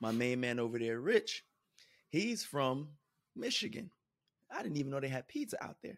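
A fairly high-pitched man with an American accent, very wide pitch swings, a moderate pace and long, frequent pauses, in a dry, close sound with no echo. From US Northeast, New York/New Jersey area. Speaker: podcast co-host. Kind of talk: casual chat.

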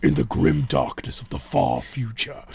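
A man in a put-on character voice talks at a moderate pace with a very deep, low pitch over light background noise. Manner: slow, enunciated, ominous.

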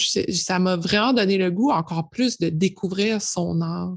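Pitched at a medium level, this woman has a plain, everyday voice and ordinary pitch variation. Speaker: podcast host. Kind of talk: interview.

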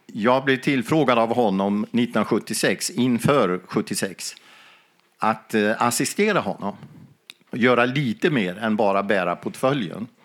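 Speaking at a very slow pace, a man keeps a medium pitch, ordinary pitch variation and very even loudness. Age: 70s. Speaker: retired evangelist and pastor. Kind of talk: interview conversation. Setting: tent meeting with audience. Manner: halting, with repeated words.

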